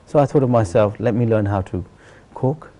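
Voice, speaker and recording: A man's voice: fairly low pitch, moderate pace, dark tone. A middle-aged man from Bangladesh telling his own story earnestly as an interview guest, with emphatic, repetitive phrasing. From Sylhet, Bangladesh. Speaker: interview guest, celebrity chef. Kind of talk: conversational personal storytelling in an interview.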